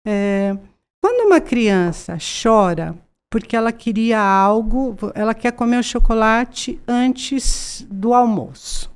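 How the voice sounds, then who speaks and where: A woman's voice: a little high, expressive, takes it slowly, clear, resonant tone. A Brazilian woman in her sixties, a psychologist guest, earnestly explaining ideas with many fillers and repeats. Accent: Brazilian Portuguese. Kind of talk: conversational explanation.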